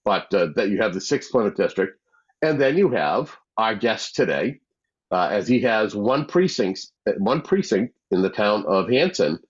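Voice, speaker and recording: A man's voice: on the low side, big pitch swings, moderate pace, husky. A man hosting a community cable talk show, introducing his guest in a conversational, filler-heavy way. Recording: dull lo-fi sound.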